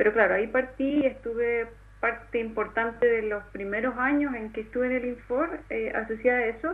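A woman talks at a moderate pace in a fairly high pitch. It is a plain, everyday voice, with fairly even intonation. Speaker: forestry researcher. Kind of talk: radio interview.

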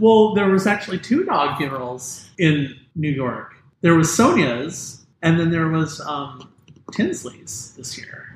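A man with an unremarkable speaking voice talks at a fairly slow pace, his fairly high pitch carrying lively intonation and big swings in loudness. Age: 40s. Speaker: writer and comedian. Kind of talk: casual chat.

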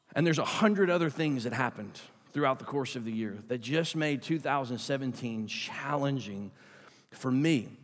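Audible room echo around a medium-pitched man at a moderate pace. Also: ordinary pitch variation. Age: 30s. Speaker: pastor. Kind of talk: sermon. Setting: church with congregation.

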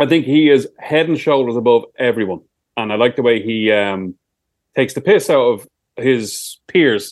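A man with an Irish accent speaks at a moderate pace, his medium pitch moving with ordinary variation. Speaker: podcast co-host; DJ. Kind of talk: casual chat.

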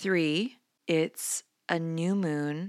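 An animated woman in a Southern California accent, fairly low-pitched with ordinary pitch variation, on a very clean recording with a silent background and a dry, close sound with no echo. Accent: Valley girl-inflected American English. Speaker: podcast host and tarot reader. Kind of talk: casual chat and tarot reading. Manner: animated, filler-heavy speech.

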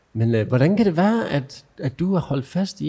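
Somewhat breathy and dark, mellow in tone, a man speaks fairly slowly with lively intonation. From Denmark, Jutland (Give). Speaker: podcast host. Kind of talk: casual chat.

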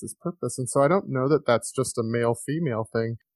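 Speaking in a normal speaking voice, a man talks at a moderate pace and medium pitch with ordinary pitch variation, in a dry, close sound with no echo. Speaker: podcast host and life coach. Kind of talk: interview conversation.

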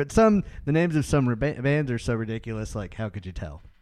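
A man speaks with an American accent at a medium pitch. He has an unremarkable speaking voice. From Georgia, US South. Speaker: music podcast host. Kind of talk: casual chat.

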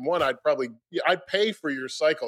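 A man talks at a very fast pace with ordinary pitch variation, the sound dry and close with no echo. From Michigan. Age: 30s. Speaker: bodybuilder and coach. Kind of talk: casual chat.

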